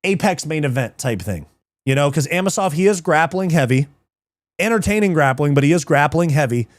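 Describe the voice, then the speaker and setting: A fairly high-voiced man rattles off fight results with crude, excitable energy. He swears freely, laughs, and reacts to his chat. The sound is close and dry, with no room around it. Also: brisk, dry recording. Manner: profane, excitable, reads live chat, laughs often. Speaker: livestream MMA show host. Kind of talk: casual livestream commentary.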